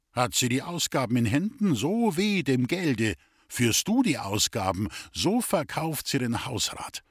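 A man's voice: medium pitch, breathy edge, dry recording, clean studio sound, heavily acted. A man reading a grumbling old Swabian who preaches against marriage in strings of proverbs, as an audiobook figure. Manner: sententious, reeling off proverbs.

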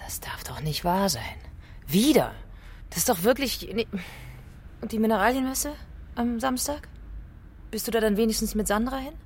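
An actress playing a mother who questions her child with quick exasperation. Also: on the high side, lively intonation, a little mellow, a little hiss or hum, natural voice.

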